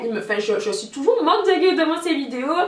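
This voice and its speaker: Amid noticeable background noise and audible room echo, a woman with a high pitch talks at a fairly quick pace with very wide pitch swings. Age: 20s. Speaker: beauty youtuber. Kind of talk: casual vlog tag, unedited. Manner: very fast; mumbling, stumbling over words.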